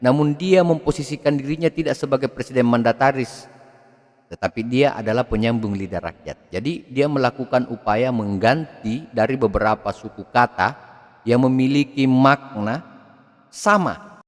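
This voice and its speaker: A man giving a video lecture on public speaking, expressive, swinging his pitch and loudness to demonstrate. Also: normal speed. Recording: long hall reverb.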